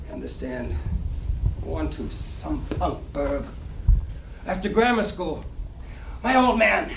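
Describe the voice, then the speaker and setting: Male actor as middle-aged 1920s gambler and braggart, slangy, chuckling, higher-pitched, heard from a distance in a live room. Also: creaky, full character voice. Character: boastful middle-aged small-time Broadway gambler, folksy wisecracker. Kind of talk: dramatic stage reading of 1920s American play. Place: library reading room, live reading. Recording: roomy, distant, faintly noisy live recording.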